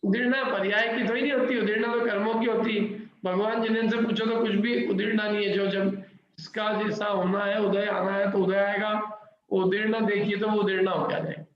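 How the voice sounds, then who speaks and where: Middle-aged male teacher, fairly high voice, echoey lo-fi room sound, walks the class through it. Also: flat delivery, a little fast. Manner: explains step by step, asks the class questions. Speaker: Jain scripture teacher. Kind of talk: interactive scripture class. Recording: very echoey, dull lo-fi room recording.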